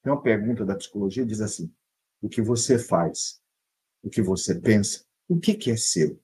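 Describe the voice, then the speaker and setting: A middle-aged man with a Brazilian Portuguese accent, a psychologist giving a motivational live talk, jumping between high and low pitch as he acts out people's worried thoughts. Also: expressive, moderate pace, dark tone, a little hiss or hum.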